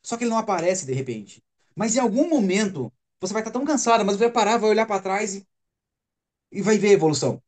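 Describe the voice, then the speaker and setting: An adult Brazilian father speaks fast in a high voice with lively intonation, giving an earnest, emphatic live stream talk about parenting a child with autism. He repeats words to stress his point, and the sound comes from a webcam or phone.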